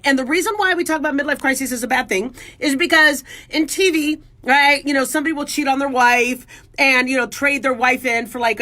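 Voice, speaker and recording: A woman in her forties hosts a radio show with a high, bright voice. She talks in a chatty, self-mocking way, full of jokes. The sound is a close studio microphone. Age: 40s. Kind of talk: casual talk radio monologue.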